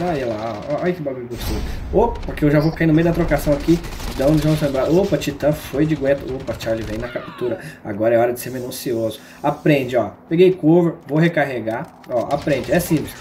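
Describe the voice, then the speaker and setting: A man's voice: mid-range voice, a little fast, few pauses, noisy background. A man with a Brazilian Portuguese accent streaming a shooter game, giving slangy, joking live commentary and teasing his viewers.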